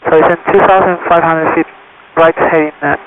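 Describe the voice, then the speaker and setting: A man's voice: fairly high pitch, flat delivery, a little fast. A man speaking as an airline pilot over the radio, giving procedural calls and readbacks. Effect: aviation radio. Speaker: aircraft pilot. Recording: phone-like radio band, faint noise, clicks.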